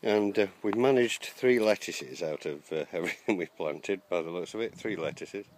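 Deep-voiced man touring his allotment. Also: moderate pace, darkish tone. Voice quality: hesitant, frequent ums and uhs. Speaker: allotment vlogger. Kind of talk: casual walkthrough narration. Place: outdoors on a garden allotment.

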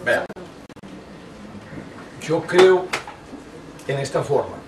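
An older man, a priest, teaching a lay audience in a small meeting room, telling stories with lively asides and restarts. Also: fairly high pitch, drawn-out words, distant mic, noisy background. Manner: animated storytelling with frequent asides and restarts. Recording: echoey room, taken from afar.

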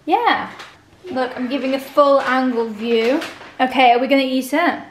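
A young woman, chatting in a lively, bossy way while explaining. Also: sits high, moderate pace, echoey room, slight background noise. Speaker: vlogger's sister. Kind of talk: casual chat.

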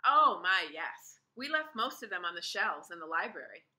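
Stern aristocratic lady, clipped formal speech, bright tone, storybook, woman doing the voice. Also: lowish voice, big pitch swings, normal speed, exaggerated voice. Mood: brisk.

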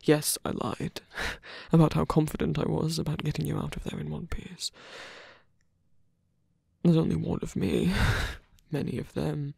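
A man acts out a villain in love for an intimate ASMR roleplay. His voice is very breathy and gravelly, recorded dry and close. He speaks slowly and hesitantly, often near a whisper, flirtatious yet sincere and protective. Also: on the high side, level tone, darkish tone, dry recording, exaggerated voice. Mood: earnest, pained. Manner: halting, hesitant confession with small sighs. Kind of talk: ASMR roleplay, intimate one-sided dialogue.

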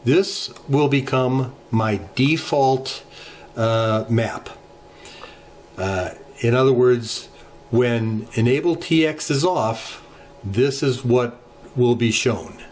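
A middle-aged man hosting a ham radio channel, walking through software settings in an unhurried tutorial with many filler pauses, recorded at a desk in his home radio room. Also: mid-range voice, slight background noise. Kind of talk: screen-share software tutorial. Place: home radio shack, indoors.

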